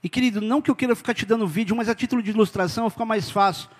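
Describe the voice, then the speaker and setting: High-voiced preacher man in reverb. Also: racing. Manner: conversational, direct address to listeners. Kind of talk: informal sermon.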